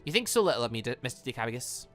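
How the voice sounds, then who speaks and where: Man voicing a measured, low-key, shrewd headmaster. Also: sing-song, sharp tone, faint music behind. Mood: cool, composed. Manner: measured, formal, deliberate. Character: calm, shrewd, formal male academy headmaster. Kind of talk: visual novel character reading.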